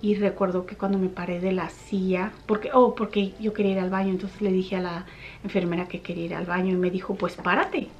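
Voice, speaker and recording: Young woman, vlogger, casual storytelling, chatty, animated when quoting others. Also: lowish voice, fast talker, dull audio, slight background noise.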